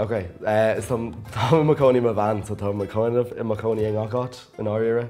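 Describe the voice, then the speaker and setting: Very fast speech from a man with an Irish accent, medium pitch and fairly even intonation, over music in the background. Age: 20s. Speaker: dating show contestant. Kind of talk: casual chat.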